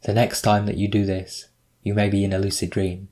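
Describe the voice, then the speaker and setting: A man narrating a scripted guided meditation, giving measured, instructive prompts with pauses between them. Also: lowish voice, completely flat delivery, a little mellow.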